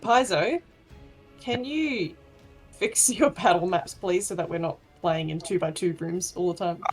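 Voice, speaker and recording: A woman's voice: lowish voice, a little slow, faint music behind. A woman playing a tabletop game, chatting and joking casually with her group. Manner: giggly, joking. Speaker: player.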